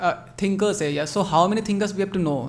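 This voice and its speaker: A man speaks with an Indian accent and a high pitch. His pitch variation is ordinary. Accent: Hindi-accented Indian English. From India, Hindi-speaking region. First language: Hindi. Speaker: exam aspirant, audience member; audience member. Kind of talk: audience question. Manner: halting. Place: classroom. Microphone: handheld.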